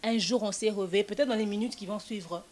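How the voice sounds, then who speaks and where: A woman hosting a casual web show, talking in an indignant, animated way and mixing French with Lingala. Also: medium pitch, fast talker. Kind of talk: casual chat.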